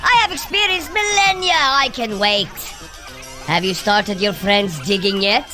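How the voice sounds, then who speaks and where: An actress playing a proud, ancient thunder deity in a comedy audio adventure, with a stately, teasing manner. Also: female voice, medium pitch, expressive, unhurried, pushed and bright, faint music behind. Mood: amused, gloating.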